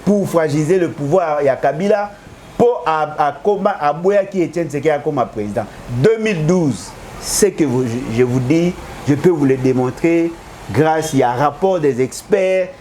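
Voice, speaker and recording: A political commentator with a fairly high, warm voice argues politics at a moderate pace in a heated debate, over a little hiss or hum. He lectures, insists he cannot be contradicted, and switches between French and Lingala.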